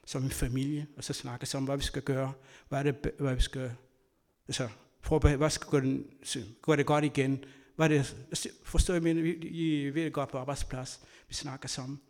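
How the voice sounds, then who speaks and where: A man giving an earnest sermon, telling personal stories and moving between loud and soft delivery. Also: mid-range voice, level tone. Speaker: church speaker; school worker.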